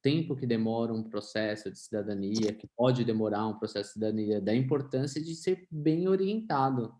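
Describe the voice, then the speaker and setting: A man's voice: medium pitch, moderate pace, warm tone. A male lawyer moderating a live webinar over a video call, asking questions with hesitations and restarts.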